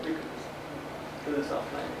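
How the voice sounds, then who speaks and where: A man's voice: moderate pace, distant mic. A man probing a technical point from the audience, rephrasing his questions as he goes. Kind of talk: technical discussion from the floor. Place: room, speaking from audience away from mic. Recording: very echoey, off-mic, noisy room.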